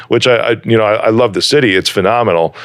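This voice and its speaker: A man's voice: lowish voice, fast, fairly bright tone, smooth, no room sound, clean studio sound. A man from Chicago with a neutral American accent, hosting a podcast in a laid-back, jokey way. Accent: neutral American, trained away from Chicago. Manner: laid-back, jokey, calls people dude. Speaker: podcast host. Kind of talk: casual podcast chat.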